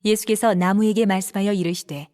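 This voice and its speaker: Female narrator for dramatized scripture, mid-range pitch, formal and measured delivery. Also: fairly even intonation, darkish tone.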